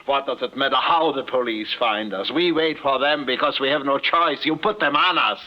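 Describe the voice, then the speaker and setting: An actor playing a sullen, menacing male henchman who talks in a slow drawl. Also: mid-range voice, highs cut off, natural voice. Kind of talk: 1950s radio drama acting.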